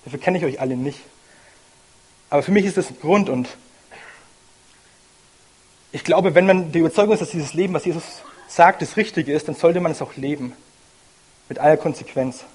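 A man's voice: fairly high pitch, normal speed, pauses often, a little mellow, breathy edge. A young man giving an informal, personal sermon, earnest and thinking aloud as he goes. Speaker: lay preacher.

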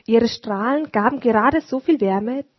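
Woman storyteller, calm measured reading, slow, dry close sound, dull lo-fi. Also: fairly high pitch, slightly rough, no echo. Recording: dull lo-fi recording.

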